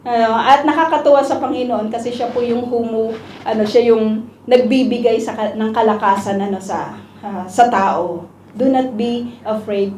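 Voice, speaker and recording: A woman's voice: on the high side, a little mellow, slight background noise. A woman preaching a conversational Bible study sermon to her congregation, often checking in with the group as she talks. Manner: chatty, asks the group "di ba?" and "no?" often. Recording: echoey room recording.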